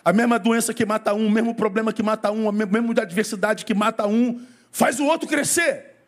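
A middle-aged male pastor delivers a brisk sermon to his church congregation, posing questions to them. His pitch and pace swing widely.

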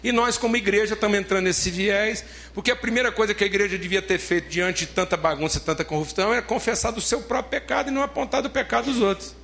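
A Brazilian-accented man preaches a sermon in a notably high voice. He is emphatic, hammers his points home by repeating phrases, and calls his listeners beloved. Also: fairly even intonation, quick pace, gravelly, few pauses, fairly bright tone. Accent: Brazilian Portuguese. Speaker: pastor.

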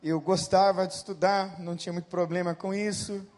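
A middle-aged man from Brazil, a pastor preaching a sermon that swings between loud emphatic peaks and quiet storytelling. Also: high-pitched, little pitch movement, a little fast.

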